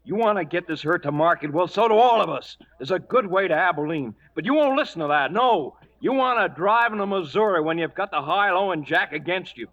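An actor playing a bitter, defiant cowhand deserter in a western radio drama, blunt and accusing. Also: male voice, high voice, animated, a little fast, hardly any pauses, fairly bright tone. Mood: angry, defiant. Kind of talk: 1940s-50s western radio drama acting. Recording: muffled vintage radio recording.

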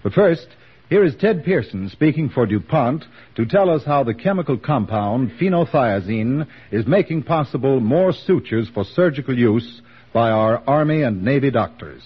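A man's voice: medium pitch, lively intonation, moderate pace, breathy edge. A man announcing a 1940s radio program in a formal, polished manner. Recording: muffled 1940s radio broadcast with faint music.

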